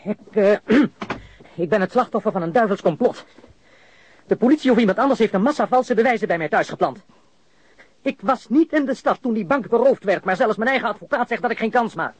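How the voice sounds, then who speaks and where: A man's voice: sits high, animated, brisk, slightly rough, dry recording. An actor playing an agitated prisoner who protests his innocence, pleading and stammering in a radio crime drama. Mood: desperate, indignant.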